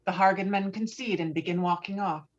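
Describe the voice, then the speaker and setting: A woman's voice: medium pitch, a little fast. A woman reading out stage directions as scripted screenplay narration. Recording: dull, muffled remote-call audio.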